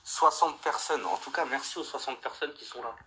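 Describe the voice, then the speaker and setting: A young man from France chats on a livestream in a loose, rambling way, full of fillers and restarts. His voice is bright and forceful and sits at an ordinary pitch. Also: a little fast, slight background noise. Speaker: livestream host. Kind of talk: casual livestream chat.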